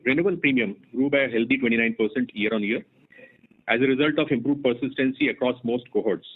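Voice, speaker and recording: A man with an Indian accent, formally reading a company results presentation in a measured, businesslike way as an executive. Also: mid-range voice, slightly rough. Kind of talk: scripted earnings call presentation. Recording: muffled narrowband phone conference line.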